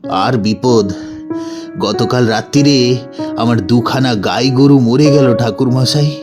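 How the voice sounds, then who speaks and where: Man as a slow-speaking, anxious humble villager. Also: mid-range voice, close to an everyday voice. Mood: worried, distressed. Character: anxious, humble village householder, pleading and deferential. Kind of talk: dramatised horror audio story. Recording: music bed under the voice.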